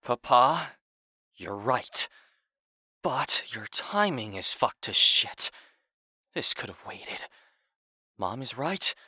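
A man's voice: medium pitch, very animated, takes it slowly, pauses often, bright, forceful tone, husky, no room sound, clean studio sound, heavily acted. A man playing a blunt grown son, a fierce family peacemaker, in an audio drama. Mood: forceful, angry.

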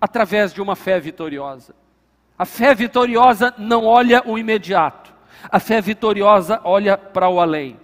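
High-voiced preaching pastor in reverb. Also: male voice, normal speed. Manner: emphatic, repetitive preaching cadence. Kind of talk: sermon. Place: church hall.

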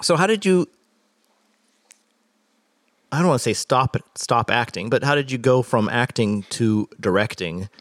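A man's voice: mid-range voice, expressive, unhurried, long pauses, a bit bright, dry recording, clean studio sound. A man hosting an interview, asking curious questions that restart and wander. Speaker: interviewer host.

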